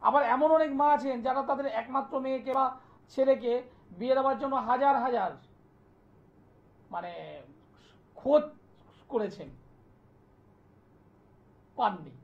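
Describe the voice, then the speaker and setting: A man, an astrologer hosting a live TV call-in show, delivering an insistent, repetitive pitch and taking callers' details. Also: measured pace, pauses often. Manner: insistent, repetitive sales pitch, listing place names. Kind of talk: live TV promotional talk and phone call-in. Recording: dull lo-fi broadcast sound.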